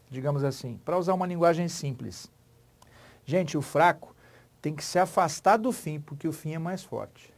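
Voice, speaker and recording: A Brazilian-accented man gives a grammar lesson to the camera. His voice sits a little high for a man. He jokes and leans hard on key words as he explains. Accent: Brazilian Portuguese. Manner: playful, joking, emphatic teacher talk. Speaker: Portuguese grammar teacher.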